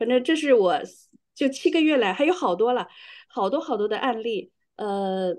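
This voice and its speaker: A woman with a high pitch speaks at a moderate pace with lively intonation over a quiet background. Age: 50s. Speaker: anti-aging business operator; guest. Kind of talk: testimony. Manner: animated. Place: home room. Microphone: video call.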